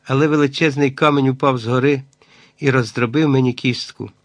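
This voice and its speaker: A man's voice: medium pitch, steady tone, brisk, dry recording, natural voice. A man doing a faltering, weak hermit. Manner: faltering, quiet, unsure speech. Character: weak, injured bearded man, long alone.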